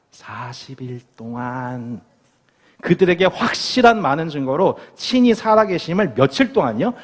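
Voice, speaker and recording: A man's voice: sits high, in a large hall. A man, a pastor, delivering a sermon to his congregation in a church sanctuary, playfully asking them questions as he goes.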